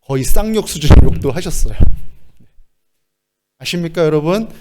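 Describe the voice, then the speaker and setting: A male pastor delivers a sermon with a voice pitched a little above the usual for a man. He is lively and expressive, breaking into short laughs and acting out the lines he quotes. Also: normal speed, very noisy.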